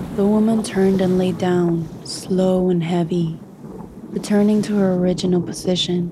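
Over noticeable background noise, a woman of medium pitch speaks in a monotone with flat intonation and very even loudness. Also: moderate pace. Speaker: storyteller. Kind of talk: folk tale audio fiction narration, first-person journal-style.

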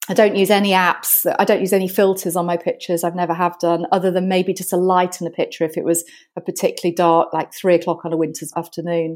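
A woman speaks very fast with hardly any pauses, in a monotone, flat delivery at a fairly low pitch. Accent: British. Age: 50s. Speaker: stylist and author. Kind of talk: interview.

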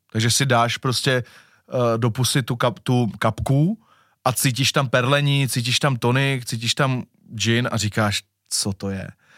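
A man with a Slovak accent speaks at a fairly slow pace with fairly even intonation. The sound is dry and close with no echo, in a very clean recording over a silent background. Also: medium pitch for a man. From Slovakia, Košice. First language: Slovak (speaking Czech). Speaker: bartender and bar catering owner. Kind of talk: casual interview.

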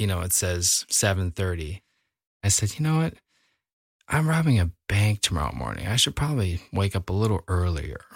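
A man's fairly low, somewhat breathy voice with an American accent, lively intonation and a moderate pace, in a dry, close sound with no echo and a very clean recording with a silent background. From US Midwest, northern Illinois near Chicago. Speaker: former bank robber and competitive cyclist. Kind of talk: personal storytelling in an interview.

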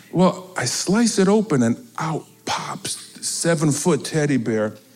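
With music in the background, a man speaks in an animated tone at a fairly high pitch, his voice making very wide pitch swings. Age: 40s. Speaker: pastor. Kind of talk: sermon.

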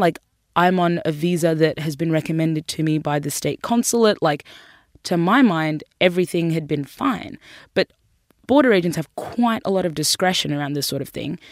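A fairly quick voice with an Australian accent and ordinary pitch variation, dry and close with no echo, on a very clean recording with a silent background. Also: woman. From Sudan-born, raised in Australia. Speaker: writer and broadcaster. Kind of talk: interview and talk excerpts.

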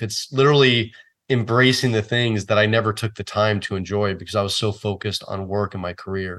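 A man's normal speaking voice in a General American accent, medium in pitch, with ordinary pitch variation and a moderate pace. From San Francisco Bay Area, California. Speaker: Air Force veteran and retired police sergeant. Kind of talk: interview.

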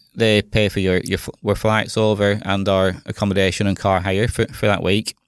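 A man with a fairly low pitch talks in a monotone, flat intonation. The sound is dry and close with no echo, on a very clean recording with a silent background. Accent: northern English. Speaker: web designer and emigrant. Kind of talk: casual interview. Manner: halting, with frequent repetitions.

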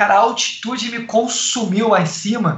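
With a high pitch, a man speaks amid audible room echo and noticeable background noise. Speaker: sports event company CEO and adventurer. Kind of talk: casual interview. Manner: eloquent.

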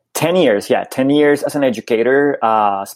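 Very clean recording, silent background, and a man's voice at a moderate pace. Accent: Spanish. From Colombia, Bogota. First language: Spanish. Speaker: career coach. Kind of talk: interview.

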